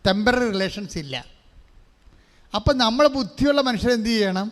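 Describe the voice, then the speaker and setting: High-voiced male preacher in a reverberant hall. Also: moderate pace, fairly bright tone. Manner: asks the congregation questions and has them repeat verses; mixes English phrases into his talk. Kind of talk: sermon with call-and-response. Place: large church hall.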